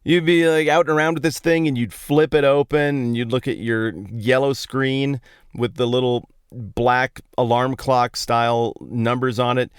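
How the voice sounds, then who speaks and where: Clear-voiced American man, casual podcast host. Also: mid-range voice, moderate pace, dry recording, studio quality. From Colorado, United States. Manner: playful, animated emphasis, colloquial phrasing. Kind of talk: casual conversational Bible talk, storytelling monologue. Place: inside a parked truck outdoors on a street.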